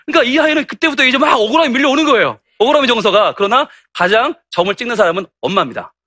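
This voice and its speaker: Brief: middle-aged pastor lecturing teachers, animated and humorous, very expressive pitch. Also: male voice, very fast, dry recording, clean studio sound. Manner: animated and humorous, acting out anecdotes. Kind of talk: lively lecture to church teachers.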